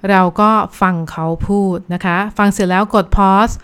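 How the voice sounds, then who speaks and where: Smooth-voiced woman teaching pronunciation. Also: medium pitch, steady tone, a little slow. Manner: chatty, addresses students directly with polite particles. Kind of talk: casual video lesson.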